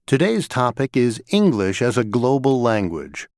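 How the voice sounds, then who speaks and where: Lecturer, male, clear explanatory delivery, scripted lesson, dry close recording. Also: mid-range voice, sing-song, unhurried, a little mellow, no echo. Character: male lecturer talking to a class.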